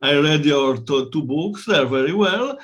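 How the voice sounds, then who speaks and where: A man's voice: fairly high pitch, expressive, moderate pace, fairly bright tone. A man with an Italian accent hosting an interview, speaking hesitantly in English as a second language with many restarts and fillers. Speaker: interviewer, host.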